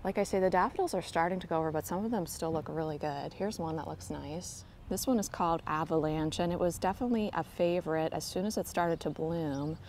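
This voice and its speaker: Woman, low voice, chatty garden tour vlog, phone mic outdoors, faint ambience. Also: a little fast, hardly any pauses, slight background noise. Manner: gentle, enthusiastic, chatty. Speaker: garden vlogger giving a tour. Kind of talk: casual walking garden tour. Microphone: handheld phone camera, filming while walking.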